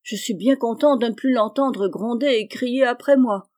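A woman's voice: fairly high pitch, moderate pace, darkish tone, close to an everyday voice. A woman voicing a sulky, whining young boy. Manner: whining, complaining. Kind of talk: audiobook reading.

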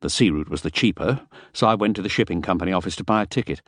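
A man reading a first-person novel aloud as an audiobook narrator, measured and wry. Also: sits low, no echo, studio quality.

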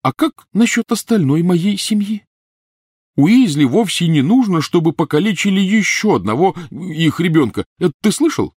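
A man reading an audiobook voices a bitter, shouting teenage boy wizard. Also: on the high side, sing-song, moderate pace, dry recording, clean studio sound, voice pushed up. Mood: angry. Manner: shouting, resentful, sarcastic.

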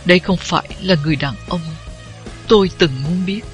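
An audiobook narrator reading a first-person novel at a steady, unhurried pace. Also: mid-range voice, faint music behind.

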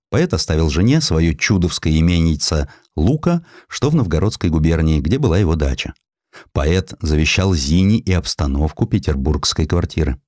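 A man narrating a historical story for an audiobook in a theatrical, expressive storytelling manner. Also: deep voice, no room sound, clean studio sound. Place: dry studio.

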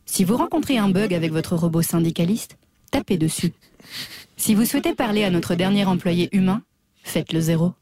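A woman voicing an automated phone menu in a slow, measured recorded-message tone. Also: lowish voice, animated, mellow, no room sound, pitched below the performer's own voice. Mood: deadpan.

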